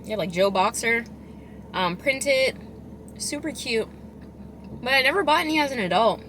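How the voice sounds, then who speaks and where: A woman chatting casually as a food vlogger, chewing while she talks, rambling and expressive with emphatic delivery. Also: fairly high pitch, moderate pace, a little hiss or hum. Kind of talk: casual chatty eating vlog.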